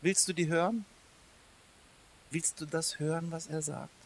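A man preaching a sermon in a lively, conversational way, swinging between loud emphasis and quiet asides. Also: on the high side, unhurried, slight background noise.

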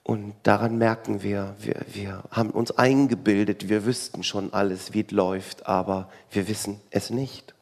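A man's voice: on the low side, fairly even intonation, moderate pace, vocal fry, few pauses, a little mellow. A man preaching a sermon in a conversational way, full of rhetorical questions and wry asides.

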